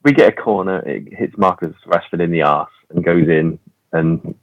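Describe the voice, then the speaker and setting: A man's voice: low-pitched, moderate pace, no echo. An English man on a remote call, sounding muffled as if talking in a bucket, chatting casually and joking. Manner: joking, laughs often. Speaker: podcast guest. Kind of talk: casual chat. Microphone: remote call on poor internet. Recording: dull muffled call audio.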